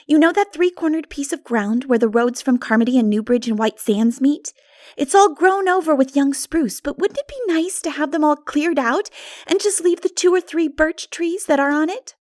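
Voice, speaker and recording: A woman voicing a practical, excitable young girl in an animated, emphatic audiobook reading. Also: high voice, moderate pace, no echo, clean studio sound, pitched above the performer's own voice. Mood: chatty, eager. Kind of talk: dramatic audiobook character reading.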